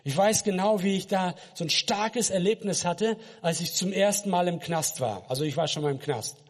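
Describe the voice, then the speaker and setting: A man's voice: high-pitched, moderate pace, long reverb tail. A man from Kazakhstan, a missionary preacher, giving an earnest personal faith testimony and speaking directly to the listener.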